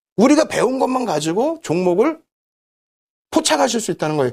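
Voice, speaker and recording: A man's extremely high-pitched voice at a fairly quick pace, with very wide pitch swings. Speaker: stock market lecturer. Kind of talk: lecture. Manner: fast; animated.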